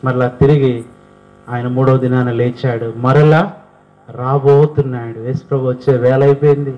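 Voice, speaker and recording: A man's voice: mid-range voice, steady tone, moderate pace. A man preaching a sermon fervently, firing rhetorical questions at his listeners and building to emphatic peaks. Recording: dull lo-fi recording.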